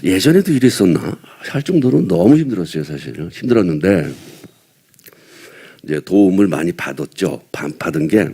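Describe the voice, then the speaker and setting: A man's voice: deep voice, lively intonation, normal speed, gravelly, dark tone, husky. An older man from Seoul, a veteran actor, chatting casually at a press event, rambling and self-deprecating with little chuckles between thoughts. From Seoul, South Korea. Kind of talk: casual press-conference chat.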